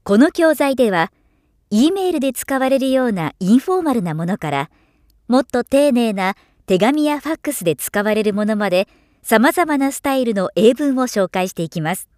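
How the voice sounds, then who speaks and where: A woman who works as a professional voice-over narrator, reading a script in a formal, measured, clearly articulated way. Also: a little high, big pitch swings, a little mellow, no room sound, studio quality. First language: Japanese. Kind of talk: polished scripted narration for demos.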